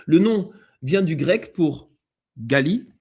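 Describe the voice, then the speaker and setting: A man's voice: on the high side, expressive, takes it slowly, a little mellow, husky. A man with an accent, a guest on a show, explaining slides and reading passages aloud, with many fillers and restarts. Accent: non-native-sounding accent in French. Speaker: guest presenter.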